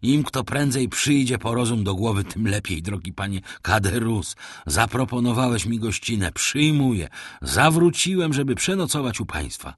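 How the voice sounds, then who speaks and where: A man reading an audiobook and voicing a hearty travelling jeweler who talks in a brisk, grumbling way. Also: mid-range voice, lively intonation, husky, no room sound, studio quality, pitched above the performer's own voice. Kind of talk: audiobook character voice.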